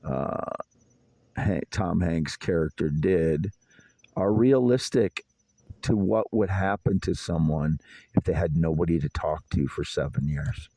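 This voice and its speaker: Man, 50s, rambling aggrieved monologue outdoors at night; low, mellow, gravelly voice. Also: measured pace. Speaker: vlogger. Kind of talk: late-night solo monologue.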